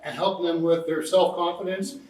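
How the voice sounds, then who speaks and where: A man's voice: sits high, steady tone, fairly quick. A man introducing artists to a gathered group, with chuckling asides and frequent "uh". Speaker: exhibit organizer introducing artists. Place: indoor exhibit hall. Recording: echoey, distant, loud clicks and noise.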